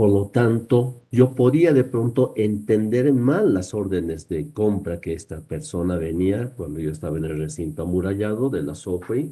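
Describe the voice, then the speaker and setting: At a fairly slow pace, the speech carries lively intonation in a dark, mellow tone. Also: man. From Bolivian highlands (La Paz/Oruro/Potosí). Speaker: university lecturer. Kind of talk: lecture.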